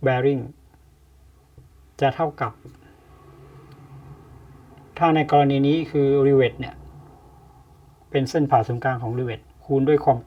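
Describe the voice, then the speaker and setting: A man teaching an engineering problem step by step, pausing often with fillers as he explains. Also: medium pitch, steady tone. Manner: slow, explains with many pauses and fillers. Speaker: engineering tutor. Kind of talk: step-by-step lecture. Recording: distant, dull lo-fi mic.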